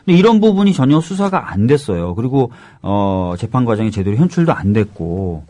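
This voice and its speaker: A man commentating on a talk show, laying out facts point by point in a measured way. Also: mid-range voice, big pitch swings, dark tone, no echo. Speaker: panel commentator.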